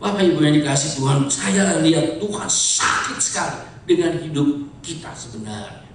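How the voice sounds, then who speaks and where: Animated preacher in an echoing church. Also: male voice, normal speed. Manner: animated storyteller, swings from low asides to shouted points. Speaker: pastor. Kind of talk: sermon with anecdotes. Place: large echoing church hall. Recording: echoey church hall, distant mic, faint noise.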